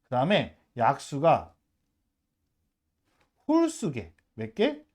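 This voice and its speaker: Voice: medium pitch, wildly swooping pitch, takes it slowly, darkish tone. A math teacher giving a casual lecture to middle school students, chatty and emphatic, constantly checking in with rhetorical questions and drilling them to say terms aloud.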